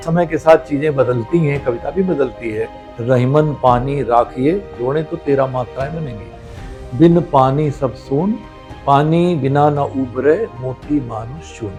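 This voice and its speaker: With music in the background, this male voice sits at a medium pitch. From India. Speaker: poet and broadcaster. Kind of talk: podcast interview answer.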